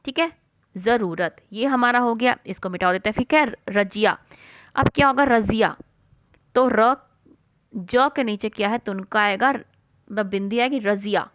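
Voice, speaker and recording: A woman teaching a worksheet lesson to children. She asks and answers her own questions and repeats words slowly for pronunciation. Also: mid-range voice, fairly bright tone, no room sound.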